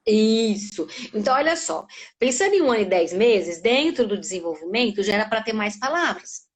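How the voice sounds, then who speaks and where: A middle-aged speech therapist from Brazil delivers an animated live webinar talk, imitating sounds with her voice. Her pitch is medium and her pace moderate.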